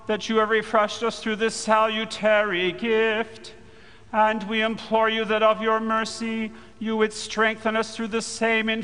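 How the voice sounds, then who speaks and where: Man intoning a prayer in cathedral echo. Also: sits high. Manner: slow, flat intoning. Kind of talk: liturgical prayer. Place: chapel. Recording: roomy chapel echo with organ music.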